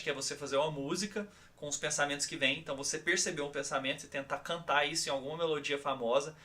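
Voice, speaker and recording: A Brazilian man leads an online course lesson in a calm, guiding manner. His voice sits a touch higher than most men's and has a bright, forward edge. He often pauses to check in with listeners. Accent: Brazilian Portuguese. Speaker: course instructor.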